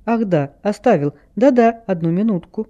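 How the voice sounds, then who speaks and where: A man's voice: sits high, lively intonation, normal speed, warm tone, lo-fi sound, pitched above the performer's own voice. A man reading an audiobook, voicing a flustered woman who answers the phone in a sing-song, hesitant manner. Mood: flustered polite. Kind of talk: audiobook character voice.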